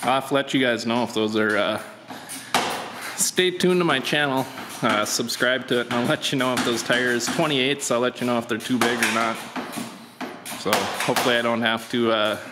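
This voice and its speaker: A man's voice: medium pitch, steady tone, moderate pace, in a large hall, noisy background. A man hosting a casual DIY how-to walkthrough, laid-back and plain-spoken, explaining each step with frequent fillers. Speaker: channel host.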